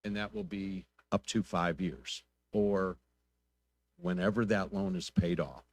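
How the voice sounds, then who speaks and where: A low-pitched male council member speaks at a public meeting. He is plainspoken and deliberate, putting probing questions one step at a time. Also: fairly even intonation.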